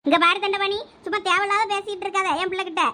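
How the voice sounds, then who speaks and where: A woman plays a sharp-tongued middle-aged elder sister in a cartoon family feud, with a Thoothukudi Tamil accent. Her very high, bright voice rattles off scolding quickly. She gives no ground. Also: little pitch movement. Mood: defiant. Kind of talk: cartoon family drama voice acting.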